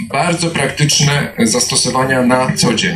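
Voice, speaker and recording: Very slow speech with ordinary pitch variation, audible room echo, and noticeable background noise. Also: man. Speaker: event moderator and publisher. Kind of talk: event moderation. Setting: bookstore with audience. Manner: hesitant.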